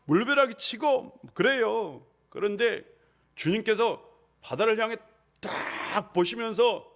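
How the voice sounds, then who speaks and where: A man preaching a sermon as pastor of a church, animated and full of questions to the congregation, now and then shouting out dramatic lines. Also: sits high, takes it slowly, vocal fry. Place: church sanctuary.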